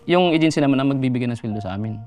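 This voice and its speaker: A man from Mindanao in his thirties, a guest in a studio interview, telling his life story in a soft voice that trails off quietly. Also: medium pitch, animated, very fast, soft background music. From Mindanao, Philippines.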